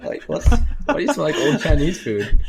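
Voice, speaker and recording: A man's voice: on the high side, huge pitch swings, moderate pace, gravelly, crowd noise. Playful man riffing on a podcast. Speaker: podcast co-host. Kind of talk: casual comedic banter.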